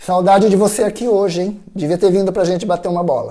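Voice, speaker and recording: Here a man speaks with a high pitch. His tone is dark and mellow. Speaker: therapist. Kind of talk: live stream talk. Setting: live video stream. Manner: halting.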